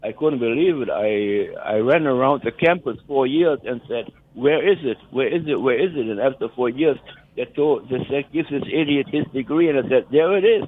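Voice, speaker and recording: An older man from West Germany, a native German speaker with a German accent, calling in to a radio show and rambling in a halting way, chuckling at his own jokes. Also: mid-range voice, expressive. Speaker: caller. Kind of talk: phoning in to a radio talk show. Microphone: telephone. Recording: tinny phone line.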